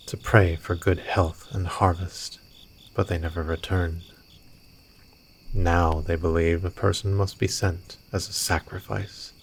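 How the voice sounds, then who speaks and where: Deep, slow, gravelly male storyteller. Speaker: narrator. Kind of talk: scripted fantasy storytelling narration. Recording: noisy, with cricket and insect ambience.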